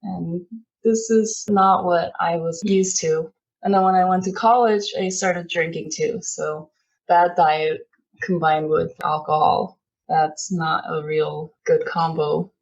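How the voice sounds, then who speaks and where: A woman's voice: on the low side, slow, highs cut off. A woman in her thirties, born in Korea, talking casually as a restaurant owner being interviewed. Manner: relaxed, chatty, laughs now and then.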